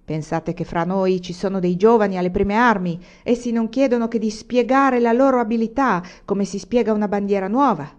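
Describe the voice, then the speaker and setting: A woman reading the part of a bold male bandit chief who rallies his men loudly. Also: medium pitch, expressive, moderate pace, lightly acted. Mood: rousing. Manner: loud and rallying. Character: fiery bold male bandit leader, rousing. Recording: dull lo-fi recording.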